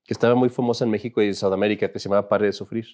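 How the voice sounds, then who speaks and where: A man's voice: fairly low pitch, fairly even intonation, very fast, a little mellow. A man, a Catholic priest, teaching an informal class in a conversational, joking way and often asking his listeners questions.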